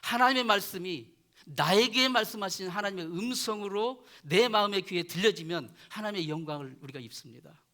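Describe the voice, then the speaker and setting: A male pastor delivers an earnest sermon, his voice sitting high and sounding bright and forward. He swells on key words, then lets each phrase sink quietly at its end. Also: animated, a little fast. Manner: earnest preaching, voice dropping soft at phrase ends. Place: church chapel.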